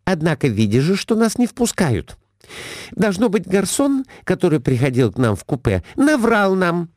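A man voicing a shrill, scolding middle-aged wife who nags her husband and throws in broken French. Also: sing-song, unhurried, a little mellow, dry recording, studio quality.

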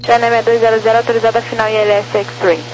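A woman's voice: fairly high pitch, little pitch movement, quick pace, low-quality recording. A Brazilian woman working as an air traffic controller, giving procedural instructions over aviation radio.

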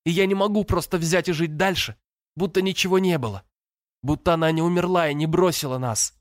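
Guy reading out a wrecked teen boy crying, voice cracking way up high, dry close sound. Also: moderate pace, dry recording, close to an everyday voice. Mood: despairing sobbing. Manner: broken, tearful pleading. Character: despairing, sobbing teenage boy.

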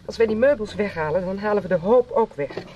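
An actress plays an anxious mother in a radio drama, hesitant and pleading. Her mid-pitched voice is set back from the microphone, with clear noise around it. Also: quick pace, lo-fi sound, close to an everyday voice. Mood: pleading, sorrowful. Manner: worried, pleading doubt. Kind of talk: radio play dialogue. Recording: distant from mic, clear background noise.

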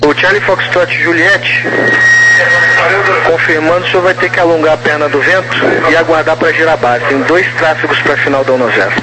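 A man working as an air traffic controller, giving measured, formal instructions in clipped radio phraseology, heard over a two-way radio. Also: fairly high pitch, fairly even intonation. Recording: noisy radio transmission.

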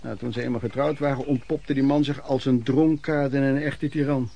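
An actor playing an older, plain-spoken former street vendor and vagrant who reminisces in a radio play, wordy and folksy with quaint old-fashioned phrasing. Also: male voice, mid-range voice, fairly even intonation, a little fast, creaky, dull audio, a little hiss or hum, close to an everyday voice. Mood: wry. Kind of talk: radio play monologue in interview form.

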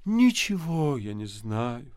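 A man voicing a nervous, fluttery older fortune-teller woman who pleads in breathy half-whispers. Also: medium pitch, very animated, slow, darkish tone, no room sound, studio quality. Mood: flustered.

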